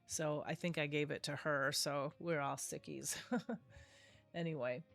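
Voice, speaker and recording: A woman's voice: deep voice, fairly even intonation, measured pace, creaky, fairly bright tone, faint music behind. A middle-aged woman, nasal from a cold, chatting her way through a craft tutorial and often correcting herself. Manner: chatty, rambling, self-correcting. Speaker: craft video host. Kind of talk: casual craft tutorial voice-over.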